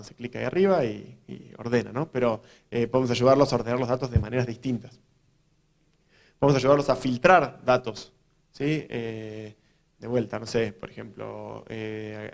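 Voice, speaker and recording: An Argentine man speaks quickly in a mid-range voice, a programmer giving a conference talk. His delivery is loose and conversational, full of fillers, self-corrections and restarts as he explains things to an audience of journalists. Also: medium pitch, creaky. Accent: Argentine Spanish. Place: university event hall.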